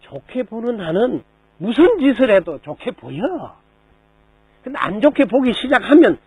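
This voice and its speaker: Male buddhist monk, dharma talk, high voice, swooping intonation, storytelling, rhetorical questions. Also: moderate pace, husky, no room sound, poor audio. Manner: lively storytelling, rhetorical questions, mimics people in quotes. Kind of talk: dharma talk to a lay audience.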